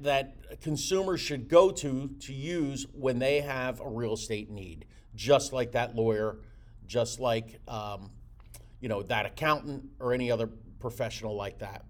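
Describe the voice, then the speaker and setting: A man hosting a real estate coaching show, talking with energy, repeating words and using many fillers. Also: mid-range voice. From United States. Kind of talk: motivational teaching talk.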